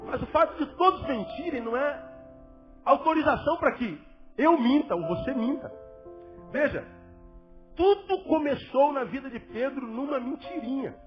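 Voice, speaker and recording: Brief: a high-voiced male pastor preaching with dramatic swings in volume, on a dull lo-fi tape. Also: lively intonation, normal speed. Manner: dramatic, swings between loud emphasis and near-whisper. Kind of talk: sermon. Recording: dull lo-fi with faint music.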